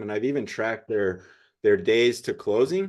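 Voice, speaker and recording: A man with a plain, everyday voice talks at a fairly quick pace and medium pitch, his pitch varying in an ordinary way against a quiet background. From California. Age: 30s. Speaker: real estate agent. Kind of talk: interview.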